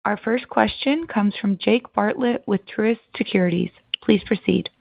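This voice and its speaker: Lady call operator, scripted announcements, lots of vocal fry, tinny phone sound. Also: mid-range voice, normal speed, no room sound. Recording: tinny dry phone line.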